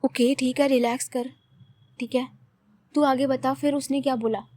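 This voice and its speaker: A woman's voice: high voice, steady tone, moderate pace, a little mellow, no echo, clean studio sound. A woman voicing an easygoing, teasing young woman who soothes her angry friend in a laid-back way. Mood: soothing.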